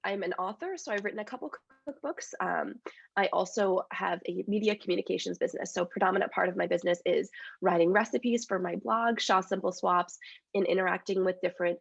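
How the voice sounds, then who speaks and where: Congested woman with a gravelly voice. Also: fairly low pitch, no echo, dull audio. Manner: open, chatty, many fillers. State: congested from a cold. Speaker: dietitian and author, interview guest. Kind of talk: casual interview chat.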